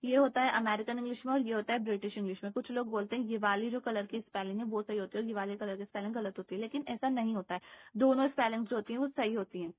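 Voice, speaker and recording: A fairly high-voiced woman with an Indian accent talks through exam notes like a tutor. She reads English lines slowly, then explains them in a loose, hesitant way. Her voice comes through a thin, phone-like recording. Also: steady tone. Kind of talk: study lesson, reading English text and explaining in Hindi. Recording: tinny phone-quality audio.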